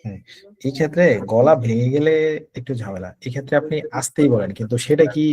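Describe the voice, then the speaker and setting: A patient male coach gives advice over a video call. His voice is mellow and slightly husky, and he often repeats his points to make sure they land. He sounds like someone answering questions in a live online class. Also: mid-range voice, expressive, quick pace. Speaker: English test coach.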